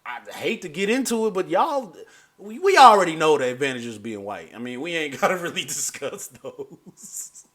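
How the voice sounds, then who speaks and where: A man hosting a reaction video, talking in a loose, animated way and laughing through his points. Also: fairly high pitch, moderate pace. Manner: animated, keeps saying "you know what I'm saying". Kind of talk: casual chat.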